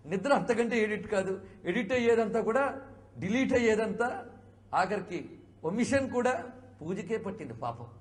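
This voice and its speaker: A man giving a devotional discourse, explaining patiently and asking many rhetorical questions, sometimes gently chiding his listeners. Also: sits high. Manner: chiding, conversational. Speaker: spiritual speaker.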